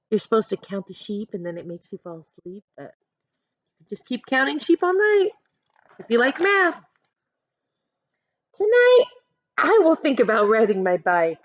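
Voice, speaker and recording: A woman reads a children's book aloud in a high, very lively voice. She teaches as she goes, turning to her young listeners with instructive asides. The sound is close and slightly dull. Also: no room sound. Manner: expressive, instructive, addresses young listeners directly. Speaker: teacher reading a picture book aloud to pupils.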